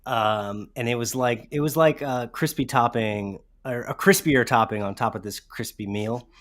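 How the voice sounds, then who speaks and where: Male podcast guest, medium-pitched voice, informal conversational delivery. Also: normal speed, a bit bright. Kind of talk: casual chat.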